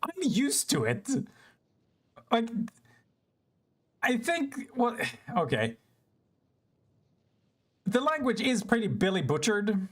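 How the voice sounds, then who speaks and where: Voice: medium pitch, big pitch swings, slow pace, pauses often. A streamer giving casual gameplay commentary, chatting with viewers between frustrated yelps and swearing.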